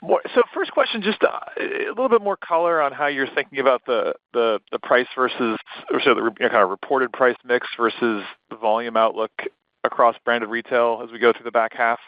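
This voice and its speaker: A man's voice: mid-range voice, a little fast, no room sound. A man speaking as an analyst on an earnings call, putting long, winding questions with self-corrections. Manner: wordy, winding multi-part questions. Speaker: financial analyst asking questions. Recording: slightly dull, dry call audio.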